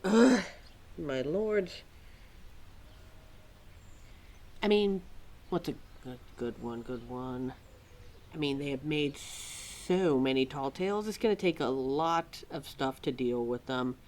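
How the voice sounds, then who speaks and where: Woman playing an exasperated, animated lore keeper. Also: extremely low pitch, measured pace. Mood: indignant, then thoughtful. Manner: sarcastic, chatty, heavy sighs and mimicked quotes. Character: exasperated, opinionated female keeper of forgotten lore. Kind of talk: ad-libbed audio roleplay addressed to a listener.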